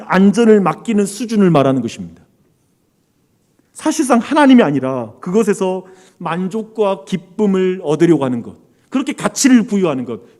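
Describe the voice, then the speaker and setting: Lively, high-voiced male pastor preaching. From South Korea. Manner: earnest, asks the congregation questions and answers them himself; swings between loud emphasis and quiet, drawn-out phrases. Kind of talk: sermon.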